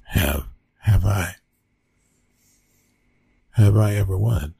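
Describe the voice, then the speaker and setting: A man playing a flustered, awkward young college bully in a one-sided ASMR roleplay, stammering and evasive, with a husky, gravelly voice. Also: sits low, drawn-out words, warm tone, no room sound, exaggerated voice. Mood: sheepish, apologetic. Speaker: roleplay audio performer.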